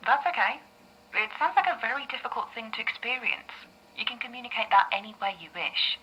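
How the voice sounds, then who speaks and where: A woman plays a therapist who answers in a gentle, measured, soothing way. Her voice comes through bright but husky, as if played back from an old tape. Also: fairly high pitch, expressive, heavily acted. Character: calm, reassuring female therapist. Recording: thin, muffled old tape recording.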